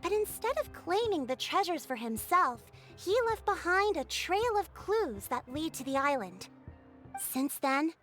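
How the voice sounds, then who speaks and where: A gracious tribal chief in a fantasy video game, composed and diplomatic. Her delivery is polite and measured, with formal phrasing and a lively, expressive lilt, fitting for telling old legends to travelers. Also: very high-pitched, faint music behind, heavily acted. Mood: calm. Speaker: tribe chief.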